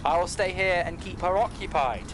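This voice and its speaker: Man voicing a formal high-pitched clockwork man, noisy recording. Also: moderate pace, a bit bright. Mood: resolute. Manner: formal, literal. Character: loyal wind-up mechanical man, literal and formal. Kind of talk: audio drama acting. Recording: noisy amateur audio recording.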